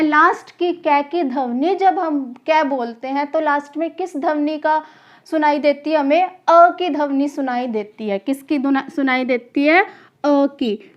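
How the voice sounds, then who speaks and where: A high-voiced woman teaches a grammar lesson to exam students at an unhurried, deliberate pace, calling them children. She asks a question, answers it herself, and repeats each key term. The recording is slightly dull and lo-fi.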